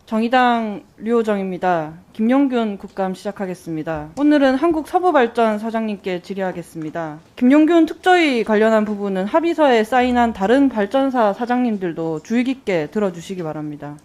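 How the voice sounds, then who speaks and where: A twenty-something legislator presses an executive at a parliamentary hearing, firing off pointed, outraged rhetorical questions. Her somewhat high, slightly mellow voice is animated and brisk, with barely a pause, and faint guitar music can be heard behind her.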